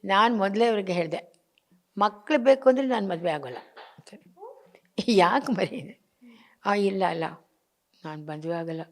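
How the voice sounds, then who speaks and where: A woman's voice: mid-range voice, unhurried, long pauses. An older woman talks about her life and her late husband. She acts out remembered conversations in their voices and mixes English phrases into her talk. The tone is that of a personal interview. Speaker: actress and interview guest.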